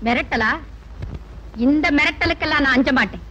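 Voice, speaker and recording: An actress playing a sharp-tongued wealthy village woman who scolds everyone, in 1980s Tamil film comedy. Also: high voice, moderate pace, dull audio, slight background noise. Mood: bossy. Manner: scolding, bossy. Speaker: rich village lady.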